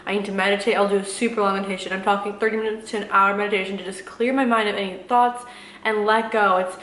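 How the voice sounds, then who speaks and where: A young woman speaks at a rapid clip in an echoey room, chatting as a vlogger answering questions. Her delivery rambles and is packed with fillers, yet stays earnest and encouraging. Her pitch sits in a middle range for a woman. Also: flat delivery, a bit bright, a little hiss or hum. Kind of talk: casual chatty Q&A with motivational advice.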